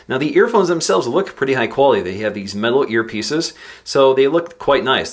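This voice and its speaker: A man reviewing tech, calmly explaining each step of a phone unboxing as he goes. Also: medium pitch. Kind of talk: product unboxing walkthrough.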